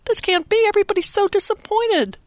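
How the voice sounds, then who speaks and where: A woman's voice: very high voice, brisk, dry recording, voice pushed up. A woman voicing dismayed young choir children in a storybook reading, exclaiming and pleading. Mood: dismayed protest.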